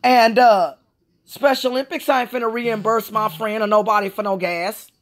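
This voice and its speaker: Fairly high-pitched and steady in tone, a woman talks at a moderate pace. She is a Special Olympics athlete unloading in a vlog, ranting with frustration and swearing as she circles back over the same complaints.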